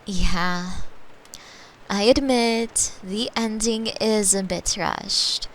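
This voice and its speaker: A woman playing a caring, playful girlfriend in a soft, tender, breathy bedtime ASMR roleplay. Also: medium pitch, slight background noise. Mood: gently teasing. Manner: soft, slow, tender, often breathy and whispering. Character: caring, playful girlfriend soothing her partner to sleep.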